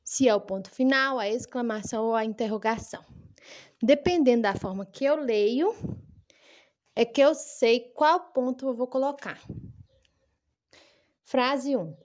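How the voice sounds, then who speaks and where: A woman teaching a children's lesson, speaking slowly and clearly in a sing-song manner for young kids. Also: fairly high pitch, a little mellow, muffled recording. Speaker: primary school teacher. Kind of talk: recorded online lesson for children.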